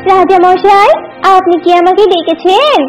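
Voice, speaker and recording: A woman puts on a tiny cartoon bird, chirpy and anxious. The voice is extremely high, eager and deferential, with music playing behind it. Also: measured pace, poor audio. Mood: respectful. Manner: excitable, deferential. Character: small anxious chirpy tailorbird, polite messenger of the jungle. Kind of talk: animated fable character acting.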